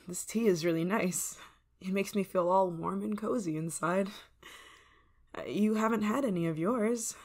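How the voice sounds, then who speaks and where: A woman playing a sweetly obsessive yandere neighbor. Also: fairly low pitch. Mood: menacing. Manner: soft-spoken, drops to whispers, sweet with creeping menace. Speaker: ASMR roleplay performer. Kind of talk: ASMR roleplay.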